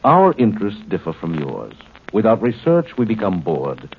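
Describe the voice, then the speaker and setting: An actor playing a coolly superior alien commander in human form, speaking formally and condescendingly in a 1950s radio drama. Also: male voice, lowish voice, wildly swooping pitch. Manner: formal, condescending, measured explanations. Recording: tinny, noisy 1950s radio recording.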